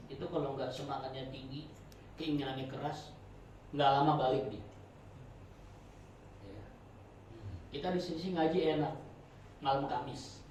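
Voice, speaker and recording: A man gives an informal sermon to a study circle, joking and chatty, his volume rising and falling. His voice sits a little high. He is recorded from a distance in a very echoey prayer room with faint noise behind. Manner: chatty and joking, with lively swings between loud and soft. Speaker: ustadz teaching a religious study circle.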